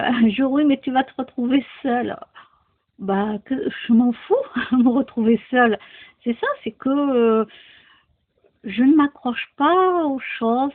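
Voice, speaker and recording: A woman chatting casually and frankly to her viewers, with hesitant phrasing. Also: fairly high pitch. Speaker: vlogger. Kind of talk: casual personal talk to viewers. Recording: thin phone-like sound.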